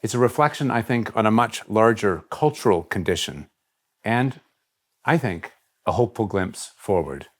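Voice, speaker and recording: A man with a moderately low voice hosts a reflective interview. He speaks in a measured, hesitant manner. His sentences wind along as he feels for the right phrase. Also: animated. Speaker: interview host, head of a college. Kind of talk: reflective long-form interview.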